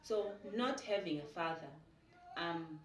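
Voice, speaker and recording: A woman in her forties with a South African Xhosa accent talks in a low voice, with a lively, animated delivery that mixes Xhosa and English. She is recorded from a little distance in an echoey room. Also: takes it slowly. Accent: South African, Xhosa-speaking. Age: 40s. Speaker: podcast guest. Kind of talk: casual conversational interview.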